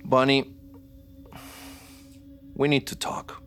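An actor playing a stern police detective who questions firmly and measuredly, then turns accusing. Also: male voice, mid-range voice, completely flat delivery, slow, a bit bright, soft background music. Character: stern hard-pressing male detective.

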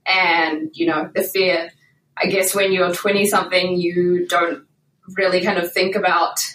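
A woman's voice: fairly low pitch, flat delivery, unhurried, a bit bright, reverberant, recorded from a distance, poor audio. A woman in her late twenties with a New Zealand accent, a podcast guest talking casually with lots of fillers and hedges. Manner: chatty, with many fillers and hedges. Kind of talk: casual interview talk.

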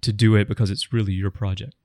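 Dry-voiced podcast host, fairly low. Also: male voice, flat delivery, fast, a little mellow, dry recording. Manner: rambling, asks long questions. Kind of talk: casual podcast chat.

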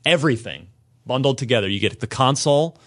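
A man hosting a casual gaming podcast, talking with his co-hosts and often halting and restarting mid-sentence. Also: medium pitch, dry recording, clean studio sound. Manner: somber and halting, then lively and animated. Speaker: podcast host.

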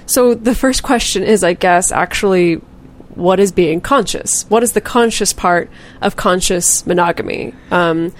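A woman's voice: fairly low pitch, measured pace. A woman co-hosting a casual podcast discussion, thoughtful and reflective, laughing lightly now and then. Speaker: podcast co-host.

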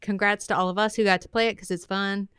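A woman's voice: medium pitch, steady tone, fast talker, a bit bright, clean tone, no echo, clean studio sound. A woman co-hosting a podcast in casual, upbeat entertainment chat, with an enthusiastic, playful and slangy manner. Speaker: podcast co-host.

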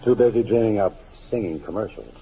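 Casting: wisecracking adventurer-writer, low voice, muffled vintage radio. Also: male voice, brisk, slightly rough. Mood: wry, casual. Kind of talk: 1940s radio acting. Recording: muffled old radio recording.

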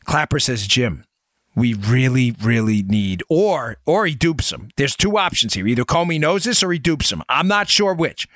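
A man's voice: mid-range voice, very animated, moderate pace, a bit bright, no echo, clean studio sound. A man hosting a political talk show in an emphatic, insistent monologue, firing rhetorical questions at his listeners.

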